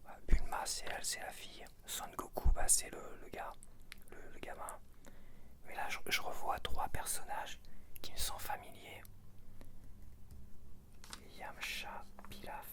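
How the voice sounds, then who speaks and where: A man's voice: unhurried, pauses often. Whispering man, casual ASMR chat. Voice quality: unvoiced soft whisper. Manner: rambling, self-correcting, informal. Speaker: ASMR video creator.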